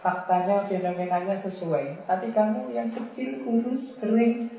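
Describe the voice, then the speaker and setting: High-voiced man lecturing, echoey. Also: steady tone, unhurried. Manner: playful, teasing examples in Javanese phrases. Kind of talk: informal lecture. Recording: tinny, echoey, far from mic.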